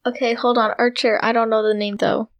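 A woman's voice: fairly high pitch, flat delivery, a little fast. A young woman chatting casually as a quiz contestant. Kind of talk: casual chat.

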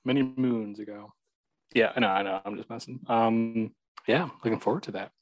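A man's voice: medium pitch, steady tone, brisk, no room sound, highs cut off. A young man co-hosting a podcast, teasing and playful in casual chat. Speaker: podcast co-host.

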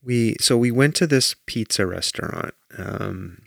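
A man co-hosting a podcast, chatting casually and telling rambling stories in a deadpan way with plenty of fillers. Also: medium pitch, a little slow, creaky, no echo. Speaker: podcast co-host. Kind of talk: casual chat.

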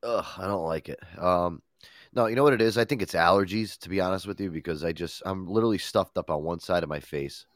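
Brief: very low-voiced male radio host with a head cold, rambling and swearing, dry sound. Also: quick pace, no room sound. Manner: swears often, laid-back rambling. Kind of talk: casual profane chat.

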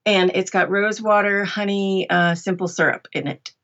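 A woman's voice: medium pitch, steady tone, normal speed, a bit bright, dull audio. A woman guest on a podcast, an audiobook narrator, chatting casually. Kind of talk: casual chat.

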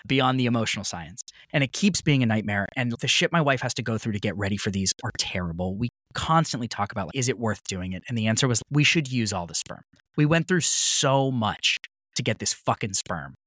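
A man's voice: on the low side, animated, brisk, fairly bright tone, no room sound. A man from Maine, a podcast guest in his thirties, telling a story in casual conversation, swearing freely and acting out the other people in it. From Maine, USA. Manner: heated, swears freely, voices others in retold dialogue.

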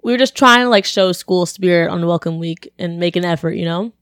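A young woman, a college student, telling a story in casual chat, her voice deeper than usual and a bit congested, with lots of "like" and acted-out quotes. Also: a little fast, no room sound, clean studio sound. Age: young adult. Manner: chatty, animated, lots of "like", acts out quotes.

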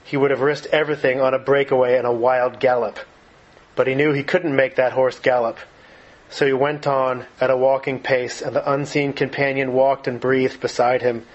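A man's voice: medium pitch, dull audio. A man giving a lecture and reading a passage aloud, speaking thoughtfully and hesitantly with frequent fillers and restarts. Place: lecture room.

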